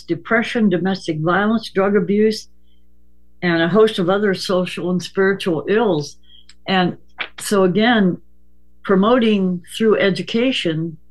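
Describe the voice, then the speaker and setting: A Native American man hosting a casual radio talk, speaking haltingly with many fillers and hesitations. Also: high voice, poor audio.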